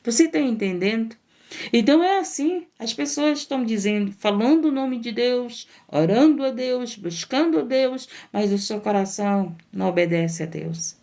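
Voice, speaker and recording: A woman's voice: a little high, lively intonation, normal speed, dark tone. A woman missionary preaching a sermon, exhorting and emphatic, repeating phrases and asking rhetorical questions.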